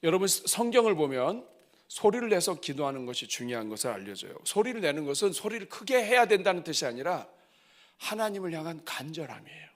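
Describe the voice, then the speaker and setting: A middle-aged man preaching at a church revival, moving from soft asides to loud cries. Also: on the high side, sing-song, quick pace. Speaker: pastor. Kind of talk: revival sermon. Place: church sanctuary.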